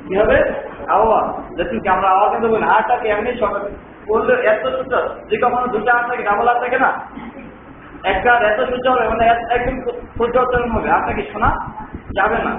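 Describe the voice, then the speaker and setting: A man with a very high voice lectures a training class, checking often with rhetorical questions and slipping English words into his speech. He sounds far from the mic in a very echoey room. The sound is thin like a phone line, with clear noise behind him. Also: steady tone, brisk. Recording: far-off, echoey, tinny, noisy room recording.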